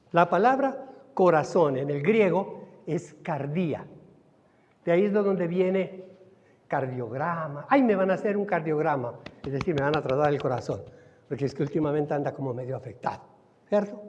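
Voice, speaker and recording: A man with a Colombian Spanish accent preaching a sermon as pastor, stretching some words slowly and then rising in sudden emphasis. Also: fairly high pitch, expressive, darkish tone. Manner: preaching with dramatic slowdowns and sudden rises. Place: church hall. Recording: dull recording in a reverberant hall.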